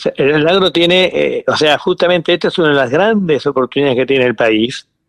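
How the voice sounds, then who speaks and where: A man speaks in an ordinary speaking voice at a fairly high pitch. His pace is fairly quick and his intonation lively. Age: 60s. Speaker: agronomist engineer. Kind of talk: radio interview.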